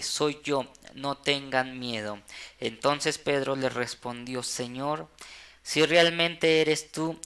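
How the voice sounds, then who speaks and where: A man's voice: mid-range voice, creaky, pushed and bright, smooth. A man reading Bible passages aloud for a church audio channel, with small stumbles and restarts. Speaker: Bible reader. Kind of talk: scripture reading.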